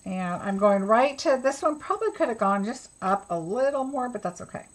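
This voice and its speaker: A woman's voice: a little high, animated, normal speed, rough recording. A woman giving a casual live craft tutorial as host, chattily talking herself through each step.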